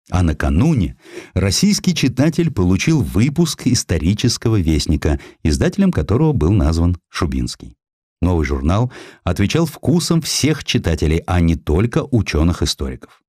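A man narrating historical sketches as an audiobook reader, in an expressive, theatrical storytelling style at a close studio microphone. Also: sits low, no room sound.

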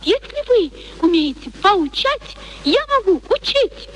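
A woman's voice: very high-pitched, very animated, a little slow, exaggerated voice, low-quality recording. An actress playing a proud, passionate young woman in a radio play, theatrical and emotional. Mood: defiant. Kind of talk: Soviet radio play acting. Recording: old radio play recording, faint noise.

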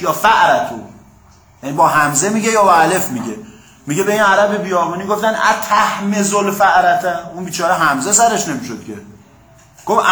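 A man's voice: high voice, fairly bright tone, reverberant. A man teaching a class on Quran commentary, reading Arabic passages aloud and explaining them, often checking that his listeners follow and prompting them to answer. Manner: reads Arabic passages, then explains them in plain speech. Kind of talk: classroom lecture.

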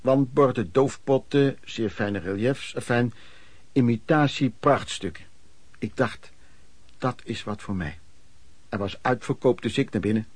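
An actor in a colloquial first-person radio play narrates his character's hard but hopeful youth as a street trader, reminiscing plainly in clipped, storytelling phrases. His voice is medium-pitched and darkish, natural and unhurried. There is no echo.

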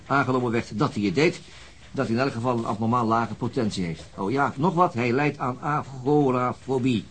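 An actor in a Dutch radio drama playing a weary, gruff male detective leading a murder hunt, matter-of-fact and given to swearing. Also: medium pitch, brisk, lightly acted.

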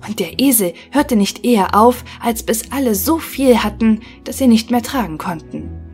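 A woman reading a fairy tale audiobook aloud in a clear, gently expressive storytelling voice. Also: a little high, normal speed. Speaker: narrator. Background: faint music.

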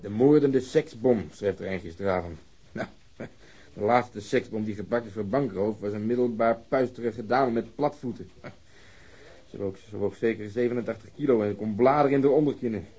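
A sardonic detective in a radio play speaks in a lowish, husky voice. He is easygoing and wry, mocking in a casual way. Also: moderate pace, warm tone. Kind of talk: radio drama acting.

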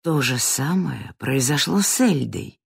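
An audiobook narrator reading a fantasy story in a dramatic way, swinging from hushed to loud. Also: medium pitch, very animated, unhurried, gravelly, slightly rough, no echo, studio quality.

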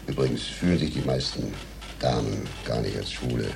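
A man's voice: rumbling low, normal speed, gravelly, background noise, full character voice. A man playing a dry, self-assured, masculine gay man who explains things matter-of-factly in a German radio crime drama.

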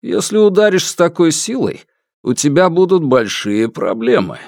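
A man voicing a calm, wry man in his sixties in an audiobook, speaking dryly with gentle irony. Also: on the high side, moderate pace, gravelly, no echo, voice pushed up. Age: 60s. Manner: calm, dry and gently ironic. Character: calm, wry old man around sixty.

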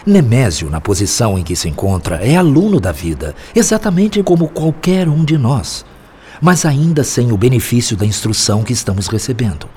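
A man playing a wise, compassionate spirit mentor who reasons patiently and persuasively, in the measured sermonizing style of a radio drama. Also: medium pitch, sing-song, dark tone, slight background noise, natural voice. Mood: patient reasoning.

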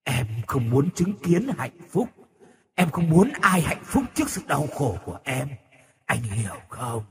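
A man's voice: on the high side, sing-song, a little slow, long reverb tail. A man voicing a vengeful young female ghost who speaks through a doll, eerie and taunting, in a horror audiobook. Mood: mournful. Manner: eerie, taunting then mournful.

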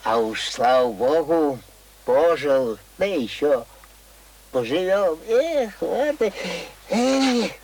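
An actor playing a cheerful, talkative, stubborn old village pensioner in a radio play, with rustic speech full of fond diminutives. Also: male voice, fairly high pitch, animated, takes it slowly, a little mellow, a little hiss or hum, poor audio. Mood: reassuring, musing. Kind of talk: radio drama acting.

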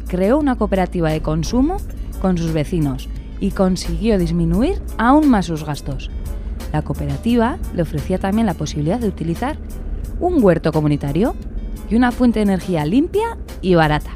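A woman's voice: fairly low pitch, big pitch swings, moderate pace, warm tone, soft background music. A woman in a radio play narrating a hopeful tale in an earnest, scripted storytelling style. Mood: earnest, measured.

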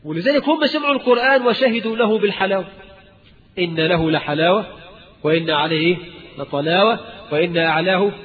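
High-voiced Egyptian preacher in an echoing hall. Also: male voice, brisk. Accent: Egyptian Arabic. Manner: rhetorical questions to the audience, rising emphasis. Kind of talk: Egyptian colloquial religious lecture. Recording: dull lecture-hall recording with long reverb.

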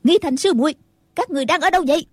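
A man voicing shrill women who cry for help and shout demands, in a high falsetto, in an audiobook reading. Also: very fast, dry recording. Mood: demanding. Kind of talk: audiobook character voices.

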